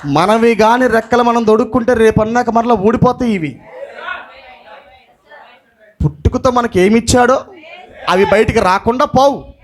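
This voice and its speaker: A male pastor delivers a fiery sermon at a normal speed, his voice pitched very high, leaving long pauses and shouting the lines he most wants to stress while slipping in English phrases.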